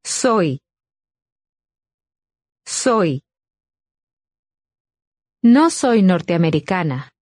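A woman modeling short phrases in a language course, saying them slowly and distinctly for learners to repeat. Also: on the low side, very animated, a little mellow, no echo, studio quality. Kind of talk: slow, careful phrase repetition.

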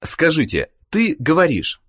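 A narrator giving calm, instructive prompts to learners in a language course. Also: medium pitch, a little slow, breathy edge.

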